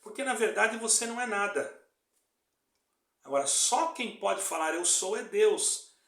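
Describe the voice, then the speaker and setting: A man preaches in an earnest, repetitive way, often stopping to ask if his listeners understand. His voice sits a little high for a man. The room around him is echoey. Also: lively intonation, a little slow, a bit bright. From Brazil. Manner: earnest, repeats phrases, asks "tá entendendo?". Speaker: evangelist preacher. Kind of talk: online sermon.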